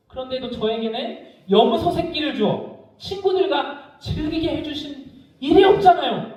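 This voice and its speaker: A resentful elder son, as a preacher puts him on, pitched high and complaining with raised indignation. His voice rings through an echoey church hall, picked up from well away from the mic. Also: a little mellow, recorded from a distance. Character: resentful angry elder son, young man.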